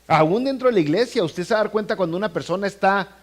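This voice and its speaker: A male pastor preaching in a church sanctuary, his voice pitched a touch high for a man. He speaks conversationally and turns often to the congregation. He acts out the stories he tells with lively voices. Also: fast. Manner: animated, acts out scenes and quoted voices; conversational, addresses the congregation directly. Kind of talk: sermon.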